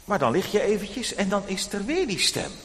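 Lively preacher telling children a story. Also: male voice, high voice, moderate pace, big-room sound, slight background noise. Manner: animated, addressing children directly.

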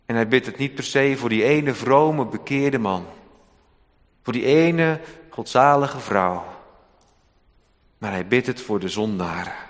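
Man, preacher, sermon, dramatic loud-soft delivery, mid pitch, long reverb of a church hall. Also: lively intonation, measured pace, long pauses. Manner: dramatic swings between hushed and loud emphatic delivery.

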